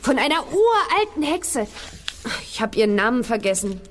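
A woman playing a curious, chatty young witch girl in a children's audio drama, with expressive reactions. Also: a little high, moderate pace. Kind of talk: children's radio play acting.

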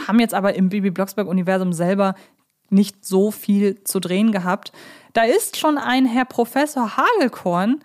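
Woman, podcast host, casual discussion, thoughtful delivery, medium pitch, feels for words. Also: darkish tone. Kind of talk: casual discussion of audio drama characters.

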